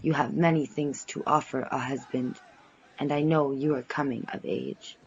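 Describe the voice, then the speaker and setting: A man's voice: mid-range voice, steady tone, normal speed, highs cut off, slight background noise, lightly acted. A man playing a stern, paternal tribal warrior in an audio drama, solemn, commanding and formal. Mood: firm, paternal.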